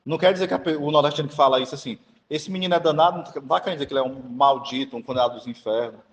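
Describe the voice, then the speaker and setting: A Catholic preacher from Northeast Brazil, with a Cearense Portuguese accent, gives an informal teaching sermon in a medium-pitched voice at a racing pace. He's chatty and keeps asking listeners whether they understand. The audio is dull, with a long hall reverb.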